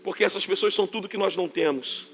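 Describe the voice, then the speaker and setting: Man, Carioca accent, pastor, emphatic sermon delivery, high voice, faint music behind. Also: quick pace. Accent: Carioca Portuguese. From Rio de Janeiro, Brazil. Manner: forceful, emphatic preaching that sounds like scolding.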